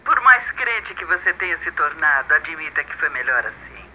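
An actress playing a cold, hostile middle-aged wife in a radio soap, cutting and sarcastic. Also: female voice, sits low, big pitch swings, normal speed. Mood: scornful, sarcastic. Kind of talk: radio soap opera acting. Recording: dull lo-fi telephone sound, faint noise.

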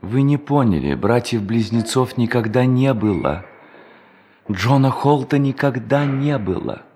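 An actor playing a desperate, ageing male embezzler in a radio play, halting and stammering as he pleads. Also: medium pitch, animated, darkish tone, slight background noise, close to an everyday voice. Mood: earnest, weary. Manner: halting, stammering, repeats himself imploringly. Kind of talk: Russian radio play acting.

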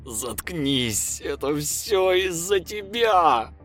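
A man's voice: on the high side, animated, a little slow, soft background music, pitched above the performer's own voice. A man voicing a desperate young man. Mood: urgent. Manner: urgent, pleading, shouting.

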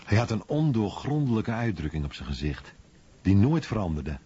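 A veteran airman reminiscing in a radio play. His low, very husky voice moves in lively swings, on a dull recording. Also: moderate pace, full character voice. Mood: wry recollection. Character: male veteran airman recalling his old comrade. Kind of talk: radio play voice-over translation.

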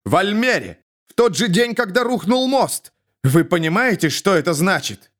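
An excitable, indignant lord, acted by a man who rises in pitch as he exclaims. His delivery is animated and full of outrage. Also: normal speed. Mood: alarmed.

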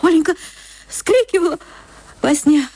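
A woman narrating an old radio play with an emotional manner and sweeping pitch swings. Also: animated, measured pace, mellow, dry recording.

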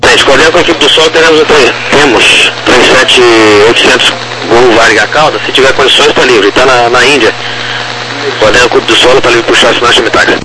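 A man's voice: mid-range voice, brisk. A man with a Brazilian accent talking procedure over a crackly military-style radio. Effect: crackly radio transmission. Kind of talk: procedural aviation radio talk.

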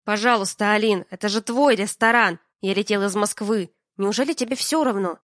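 A woman's voice: on the high side, a little fast, fairly bright tone, dry recording, clean studio sound, lightly acted. A woman voicing a smug, sneering man, a soon-to-be ex-husband, in an audiobook. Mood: pushy.

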